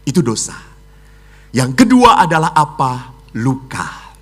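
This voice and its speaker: A middle-aged man, a Catholic priest, giving a lively sermon and acting out quoted voices. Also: medium pitch, measured pace, slightly rough. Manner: animated, acts out quoted voices with shouts and laughs.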